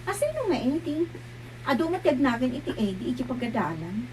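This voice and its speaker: A woman performing lively, emotional dialogue in an Ilocano audio drama. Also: high-pitched, a little fast, noisy background.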